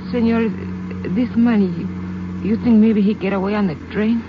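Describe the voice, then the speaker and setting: A woman's voice: a little high, fairly even intonation, natural voice. Actress playing a hurt, frightened young woman with a Mexican Spanish accent. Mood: frightened, pained. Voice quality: breathless, halting speech. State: in pain. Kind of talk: 1950s radio acting. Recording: dull lo-fi old radio recording with hiss.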